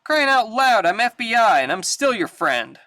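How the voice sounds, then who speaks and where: A man's voice: sits high, very animated, normal speed, bright, forceful tone, no room sound, clean studio sound, pitched above the performer's own voice, full character voice. A man voicing an indignant male undercover agent in a read-aloud comic. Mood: exasperated. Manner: indignant and exasperated.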